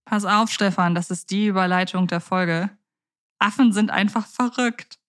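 A woman co-hosting a podcast. She talks in a chatty, lively way and laughs easily. Her voice sits in a middle pitch. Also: normal speed. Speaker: podcast co-host. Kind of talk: casual chat about radio plays.

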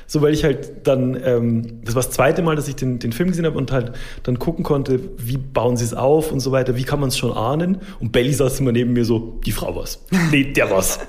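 A man's voice: medium pitch, brisk, hardly any pauses, a little mellow. A man chatting casually and humorously as a podcast co-host, informal and enthusiastic.

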